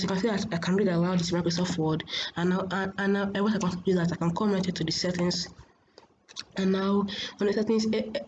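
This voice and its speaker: A woman giving a casual software tutorial in a hesitant, repetitive, halting way, as a host. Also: medium pitch. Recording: muffled, noisy home screen recording.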